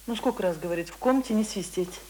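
A woman's voice: medium pitch, fast, natural voice. An actress in a Russian radio play playing a weary, middle-aged single mother with a folksy, sighing way of talking. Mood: resigned, tender. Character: weary single mother of a schoolboy, no longer young. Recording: hissy old radio drama recording.

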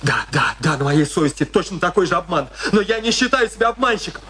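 An actor playing a conscientious, forgiving family friend in a radio play, speaking earnestly, reasoning with dramatic delivery. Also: male voice, sits high, lively intonation, quick pace. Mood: pleading, reproachful. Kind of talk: Russian radio play acting. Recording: noisy old radio drama recording with clicks.

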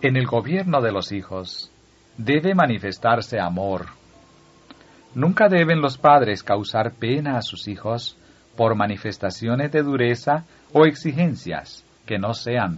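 A man reading a devotional text aloud at a slow, measured pace, letting phrase ends fall. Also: mid-range voice. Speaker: audiobook reader. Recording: dull lo-fi audio with faint music.

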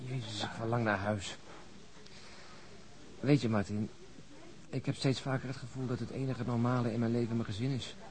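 An actor playing a world-weary deputy chief inspector in a radio drama, with a blunt, wry way of talking. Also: male voice, mid-range voice, steady tone, normal speed, pauses often, a crowd in the background, close to an everyday voice. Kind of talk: naturalistic radio drama acting.

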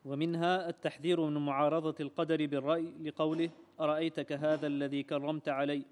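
A student reads a religious text aloud in formal classical Arabic. His pitch barely moves and sits a little high. The recording carries a long hall echo. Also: fast talker. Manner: steady recitation of the text.

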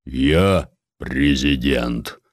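A man voicing a wounded, giant male vagrant, hoarse and wheezing, slow and solemnly insistent, in an audiobook. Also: a bass voice, no room sound, studio quality, pitched below the performer's own voice, full character voice. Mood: weakly insistent.

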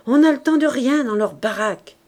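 A ragged, half-mad young woman from an audiobook speaks in a shrill, raised voice, as a woman reader plays her. She sounds careless and a little wild. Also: lively intonation, moderate pace, close to an everyday voice. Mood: grumbling. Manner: shrill, loud.

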